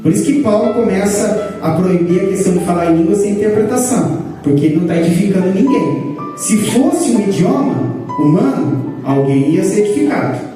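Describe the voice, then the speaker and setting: A man with a Brazilian Portuguese accent teaching a sermon to his congregation, explaining points and pushing his pitch up for emphasis. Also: lively intonation, brisk, music in the background. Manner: explanatory, rises in pitch to stress points, addresses congregation as brothers. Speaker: pastor teaching a church class. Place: church hall. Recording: echoey hall, picked up from a distance.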